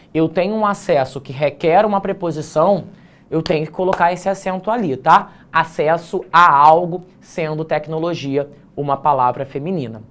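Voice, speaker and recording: A man's voice: fairly high pitch, a bit bright. A male teacher giving a casual lesson on essay writing, chatty and explanatory, talking to students informally. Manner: mixes slangy asides with grammar points. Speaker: teacher correcting an exam essay.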